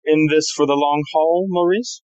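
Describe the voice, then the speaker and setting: An actor playing a wry, evasive, cornered jewel thief in an audio play, dry and guarded in manner. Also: male voice, a little high, steady tone, normal speed, a little mellow, muffled recording, lightly acted. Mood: wry, defensive. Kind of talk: stage-like audio drama acting.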